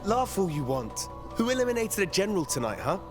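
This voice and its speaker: A man's voice: sits high, big pitch swings, brisk. A man playing a cocky, driven young warrior hero in a video game, with a brash, self-assured manner. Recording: music behind the voice.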